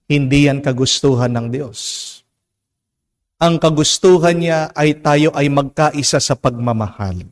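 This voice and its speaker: Slow-preaching Filipino priest in a reverberant church. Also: male voice, medium pitch. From Philippines. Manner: slow, emphatic preaching with drawn-out words and rhetorical questions. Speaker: Catholic priest. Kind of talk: homily mixing Tagalog and English.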